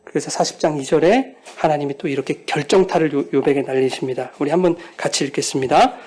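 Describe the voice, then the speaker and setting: A middle-aged man preaching a sermon in a fairly high voice. He talks emphatically, often swinging up in pitch and loudness, and turns to the congregation with direct questions. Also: fast talker, husky. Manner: emphatic preaching, voicing quoted lines with rising force. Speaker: pastor.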